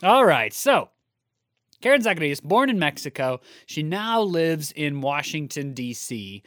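Guy cohosting a theater podcast, deep morning voice, laughs easy, dry sound. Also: measured pace, dry recording. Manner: relaxed, laughs easily, rambling asides. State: deeper morning voice. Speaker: podcast co-host. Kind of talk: casual podcast chat about theater.

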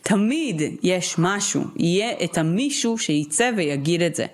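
A young woman co-hosting a podcast in casual chat, talking fast and freely with lots of fillers. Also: on the low side, expressive. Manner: talkative, quick, with many "like" fillers. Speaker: podcast co-host.

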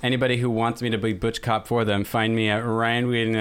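A man guesting on a podcast in casual chat, bawdy and quick to laugh. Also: on the low side, little pitch movement, smooth. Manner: bawdy, laughing, loud jokes.

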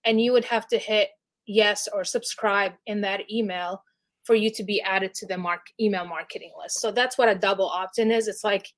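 A woman's voice: medium pitch, steady tone, moderate pace. Chatty woman explaining with many fillers. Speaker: email marketing specialist, guest. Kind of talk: casual explanatory interview.

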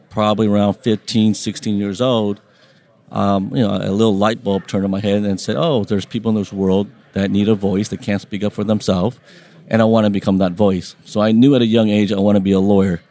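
Low-pitched man, reflective interview guest. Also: mellow. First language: Vietnamese. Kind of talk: conversational interview storytelling.

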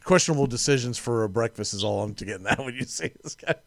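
A man hosting a casual sports talk show, animated and jokey, laughing often as he talks. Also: mid-range voice, fast talker, gravelly, no echo.

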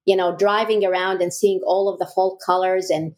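A young adult woman from Egypt, a real estate broker talking casually as an interview guest, warm and quick to laugh. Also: on the low side, little pitch movement.

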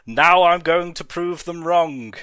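A man doing a ranting, shouting mad scientist. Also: mid-range voice, measured pace, dry recording, close to an everyday voice.

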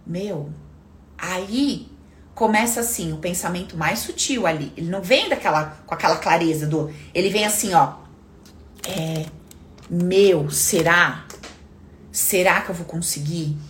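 A woman hosting a casual self-help live talk, animated and acting out inner voices, swearing casually. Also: on the low side, moderate pace, a little hiss or hum.

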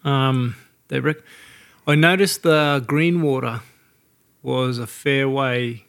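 A man's voice: medium pitch, slow, vocal fry, fairly bright tone, clean tone. A man with a Queensland Australian accent chatting casually in a laconic, blokey way, with hesitant phrasing. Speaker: recreational boat fisherman. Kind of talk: casual banter about fishing.

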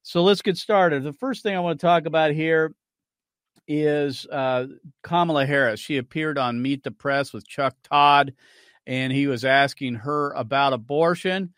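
A male radio talk show host delivers forceful, argumentative commentary, stopping clips to rebut them. His voice sits somewhat high for a man. The studio sound is dry and close. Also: measured pace, clean tone, no echo. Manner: emphatic, argumentative, cues clips to play.

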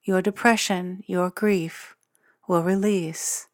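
A woman guiding a meditation in a gentle, soothing, unhurried way with long, measured pauses. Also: on the low side, steady tone, no room sound, studio quality. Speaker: meditation guide and podcast host. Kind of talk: guided meditation narration.

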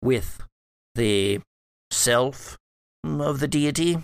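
A man performs a scheming, scholarly old patriarch speaking from beyond death in a horror roleplay. The voice is smooth but creaky, captured dry and close. The phrasing is formal and deliberate, with halting pauses as he reasons. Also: medium pitch, expressive, dry recording, full character voice. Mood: pondering, scheming. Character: dead old male ancestor, scholarly, wry, scheming. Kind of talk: improvised tabletop horror roleplay.

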